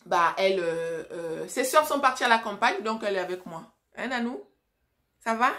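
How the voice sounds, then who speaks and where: A woman's voice: medium pitch, animated, normal speed, pushed and bright. A woman from Africa talking casually to her viewers in a direct, emphatic way, often asking them rhetorical questions. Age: adult, married mother. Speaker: vlogger and storyteller. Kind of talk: casual vlog monologue.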